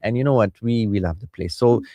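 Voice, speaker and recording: A man's voice: lowish voice, brisk, mellow, no room sound, highs cut off. A man with a South African Indian accent chatting casually as a radio host and counsellor, playful and rambling. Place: radio studio.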